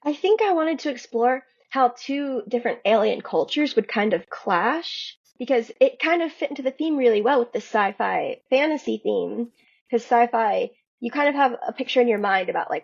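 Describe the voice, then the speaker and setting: A woman's voice: a little high, expressive, normal speed, gravelly, lo-fi sound. A woman writer answering interview questions in a casual, conversational way.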